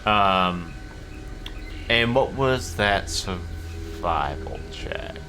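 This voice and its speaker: Slow-talking, bright-voiced male game master. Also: low-pitched, expressive, faint music behind. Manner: halting, thinking aloud. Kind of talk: casual tabletop game narration.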